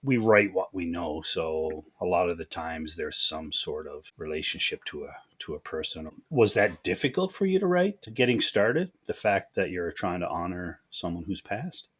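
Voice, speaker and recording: A man's voice: sits low, very animated, normal speed, few pauses, a bit bright, slightly rough. A man hosting a podcast, asking questions in a chatty, friendly way. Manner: friendly, chatty, asks follow-ups. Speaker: podcast host. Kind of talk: casual interview questions.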